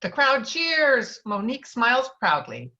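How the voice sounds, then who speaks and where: A woman's voice: fairly high pitch, huge pitch swings, a little slow, sharp tone. A woman reading screenplay stage directions as scripted narration, heard through slightly dull online audio.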